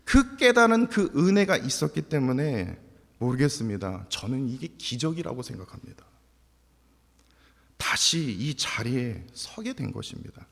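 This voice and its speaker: Emotional pastor in his forties, gravelly. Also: medium pitch, very animated, a little slow, a bit bright. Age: 40s. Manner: emotional, confessional, addresses the congregation. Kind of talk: sermon. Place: church sanctuary. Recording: long hall reverb.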